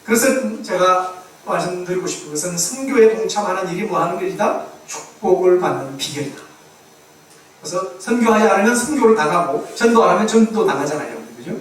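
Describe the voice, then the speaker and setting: A man's voice: high-pitched, lively intonation, brisk. A man, a missionary preacher, giving a sermon and telling a story with animation, acting out the voices of the people he quotes. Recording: echoey hall heard from far off, faint background noise.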